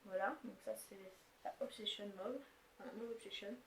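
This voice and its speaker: A woman's voice: mid-range voice, normal speed, fairly bright tone. A young woman showing and swatching her makeup palettes in a casual, rambling chat, full of fillers and restarts. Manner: chatty, rambling, filler-heavy. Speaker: beauty vlogger. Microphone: camera's built-in mic. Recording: echoey room, faint noise.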